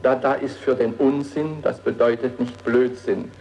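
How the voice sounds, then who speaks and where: A man's voice: medium pitch, steady tone, moderate pace, a little mellow, a little hiss or hum, lightly acted, rough recording. An actor reading the words of an older male artist, with a dreamy, playful declamation. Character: Hans Arp, older male artist musing on nature. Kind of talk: dramatic reading of poetic texts.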